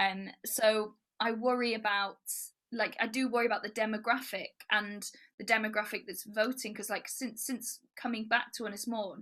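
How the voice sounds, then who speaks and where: A woman's fairly high voice with an English accent, bright and sharp in tone, with monotone, flat intonation. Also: moderate pace. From Wales, Anglesey. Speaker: comedian. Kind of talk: casual chat.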